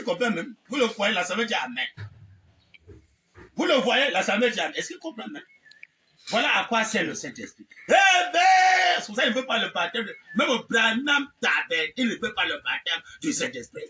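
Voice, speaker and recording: A man preacher delivering a fervent sermon, shouting and calling out repeated amens. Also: high voice. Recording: distant mic with faint background noise.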